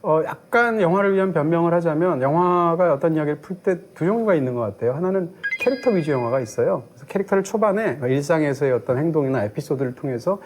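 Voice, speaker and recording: Fast, lively-voiced man critiquing a film. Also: a little high, slight background noise. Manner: fluent, lecturing, builds long explanatory arguments. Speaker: film critic co-hosting a movie review show. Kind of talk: analytical film review discussion.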